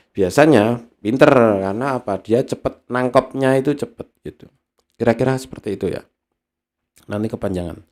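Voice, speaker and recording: A man explaining a talent analysis in a relaxed seminar style. His delivery is conversational and full of small fillers. Now and then he acts out everyday examples in other voices. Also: medium pitch.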